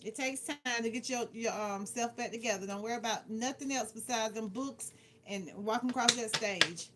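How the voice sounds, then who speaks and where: A woman with a fairly high voice and moderate pace hosts a casual livestream tarot reading. She gives playful, blunt advice and repeats phrases for emphasis. The background is clearly noisy, with clicks.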